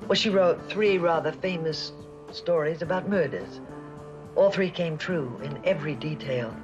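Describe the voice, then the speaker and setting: An actress playing a prim, guarded librarian who speaks in a hushed way, in a 1970s TV drama. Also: female voice, sits low, a little slow. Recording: dull 1970s TV soundtrack with music.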